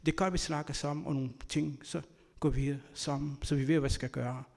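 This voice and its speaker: Man, sermon, personal stories, earnest, slightly raised pitch, loud then hushed. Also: fairly even intonation, gravelly. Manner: earnest, swings between loud and soft. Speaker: church speaker; school worker.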